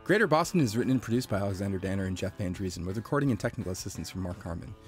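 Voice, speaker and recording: Male podcast host, rapid credits read, light guitar underneath. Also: on the low side. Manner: brisk, even reading of names.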